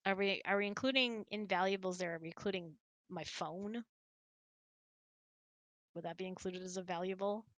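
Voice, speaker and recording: A woman's voice: medium pitch, normal speed, long pauses, a bit bright, no room sound. A woman hosting a casual online hangout, chatty and self-deprecating, thinking aloud as she answers audience questions. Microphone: close mic on an online voice chat.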